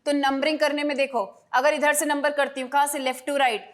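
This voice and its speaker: Woman, high voice, chemistry teacher, repeats steps, asks and answers herself. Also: level tone, normal speed. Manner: repeats each step, asks and answers own questions. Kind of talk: online lesson.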